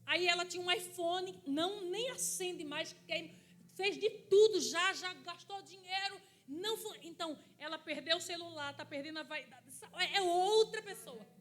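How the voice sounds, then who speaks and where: A high-voiced woman pastor with a Brazilian Portuguese accent tells a testimony during a church sermon. She tells it animatedly and acts out the cries of the people in her story. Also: normal speed, fairly bright tone. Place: church service.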